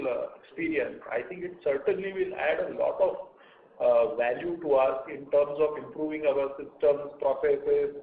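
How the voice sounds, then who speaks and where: A man, a company executive answering analysts on an earnings call in a measured way with frequent pauses, over a tinny phone line. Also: on the high side, vocal fry, echoey room.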